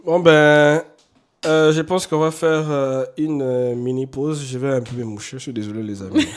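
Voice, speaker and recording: A man's voice: mid-range voice, fairly even intonation, moderate pace, clear, resonant tone. A man hosting a casual live podcast chat, stuffy with a cold, tossing in jokey asides and a repeated catchphrase. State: has a cold. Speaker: podcast host. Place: studio. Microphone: podcast microphone.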